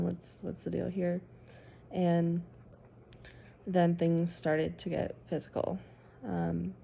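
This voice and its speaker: A woman giving a personal testimony to the camera, speaking in a halting, measured way with frequent pauses. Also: sits low, creaky, dark tone, slight background noise. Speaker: survivor sharing her story.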